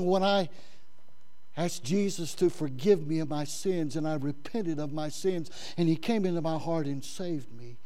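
A man's voice: on the high side, a little mellow. A middle-aged male pastor preaching a sermon fervently, often stumbling into repeated words, with a big voice.

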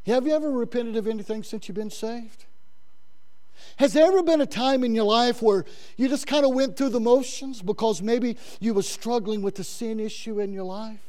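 A man's voice: very high-pitched, moderate pace, warm tone. A middle-aged male pastor preaching a sermon fervently, often stumbling into repeated words, with a big voice.

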